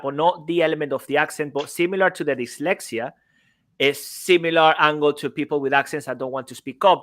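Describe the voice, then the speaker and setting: Man, bright voice, animated podcast co-host, laughs a lot. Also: a little high. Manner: animated, laughs easily, stumbles over words. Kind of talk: casual podcast chat.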